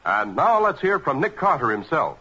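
A man's voice: on the high side, big pitch swings, moderate pace, over loud music. An American man announcing in 1940s radio commercial style, with polished, emphatic salesmanship. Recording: muffled, dull vintage 1940s radio recording.

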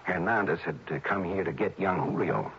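An actor playing an earnest, worried male friend who explains in halting, hesitant phrases in an old radio drama. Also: deep voice, a bit bright, a little hiss or hum. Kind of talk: 1950s-60s radio drama acting. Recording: dull old radio broadcast.

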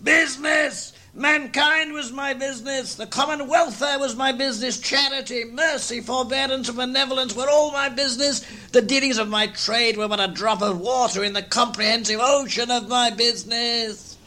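A man's voice: extremely high pitch, steady tone, bright, forceful tone, voice pushed up. A man voicing Marley's wailing, chained ghost. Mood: forceful. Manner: wailing, drawn-out, theatrical delivery. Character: Marley's ghost, a wailing, chained, remorseful old male spirit.

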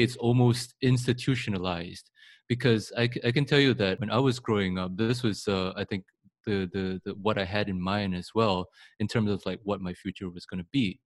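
Guest, male, low voice, rambles with many restarts, dry recording. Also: no room sound. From Singapore. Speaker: podcast guest. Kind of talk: casual interview.

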